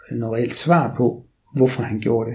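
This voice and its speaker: Somewhat breathy, a man's dark, mellow voice sits at a medium pitch with fairly even intonation. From Denmark, Aarhus. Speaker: journalist. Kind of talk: interview.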